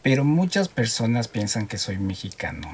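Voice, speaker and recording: A man from Ecuador with a Quito accent, a guest telling his story in a relaxed, playful way. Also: on the low side, moderate pace, husky. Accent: Quito Spanish. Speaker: interview guest, driving instructor. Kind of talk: casual radio interview.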